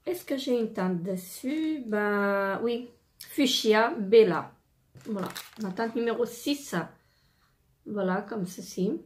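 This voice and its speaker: A woman in her thirties with a slightly hoarse voice, chatting casually through a product haul with many fillers and pauses. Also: medium pitch, lively intonation, darkish tone. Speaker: beauty vlogger.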